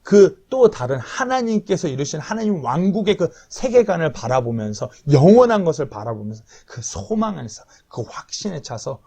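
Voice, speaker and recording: A man's voice: fairly high pitch, very animated, moderate pace, few pauses, mellow, slightly rough. A man in his thirties preaching an earnest, confessional sermon as a pastor, at times pleading.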